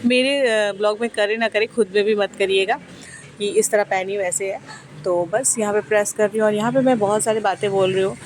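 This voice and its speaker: A woman in her thirties, a vlogger, doing a chatty, rambling voice-over for her vlog, talking quickly. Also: medium pitch, fairly even intonation, slight background noise, low-quality recording. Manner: chatty, rambling, talks fast.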